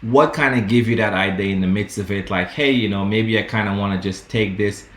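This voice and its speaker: A man from Guyana interviewing a musician in a relaxed, enthusiastic way. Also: on the low side, brisk, roomy sound. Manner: enthusiastic, affirming listener. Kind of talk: casual interview.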